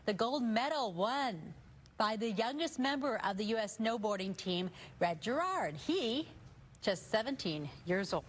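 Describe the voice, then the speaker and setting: A woman's voice: on the high side, expressive, measured pace. An American woman co-anchoring morning news in a studio, reading stories in an informal, conversational way with casual banter. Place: television studio.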